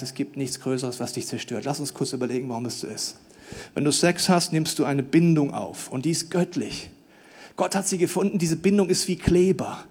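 A man preaching a sermon in a casual, colloquial way, swinging between loud emphatic pleading and low, quiet intensity, with acted-out asides.

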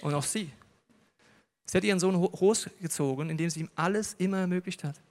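A man's voice: high voice, a little fast. A man preaching a sermon to a live audience, telling stories and joking with the listeners. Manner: lively storytelling, jokes with the audience. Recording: long reverb of a large hall.

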